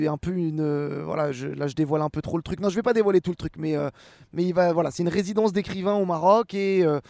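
Guest, twenties, French man; loose rambling talk, fillers, slightly high voice. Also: vocal fry, dry recording, studio quality. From France. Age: 20s. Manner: relaxed, rambling, many fillers and restarts. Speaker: actor and rapper guest. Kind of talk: casual interview answers.

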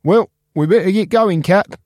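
A man's voice: sits high, normal speed, darkish tone, dry recording, studio quality, voice pushed up. A man voicing a friendly junkyard guide who talks in a cheerful, folksy way. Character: friendly older male junk guide, cheerful and kind.

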